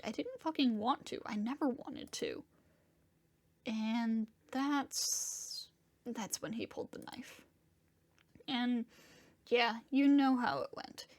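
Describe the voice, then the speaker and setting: Distraught young male monster in audio fiction, played by a woman; fairly high voice, halting, profane confession. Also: a little mellow. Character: distraught young monstrous man Diego confessing a violent fight. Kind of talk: first-person dramatic fiction narration.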